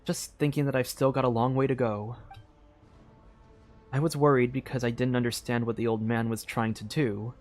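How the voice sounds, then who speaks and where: Earnest fantasy game fighter, acted by a male streamer, mid-pitched, scripted delivery, music underneath. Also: flat delivery, moderate pace, darkish tone, natural voice. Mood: earnest, concerned. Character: earnest game characters discussing battle preparations. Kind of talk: cold-read game dialogue.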